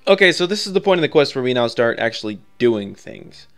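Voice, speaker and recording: Clear-voiced man narrating a game walkthrough. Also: mid-range voice, sing-song, fairly quick, fairly bright tone, soft background music. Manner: informal, offhand, conversational. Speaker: video game guide creator.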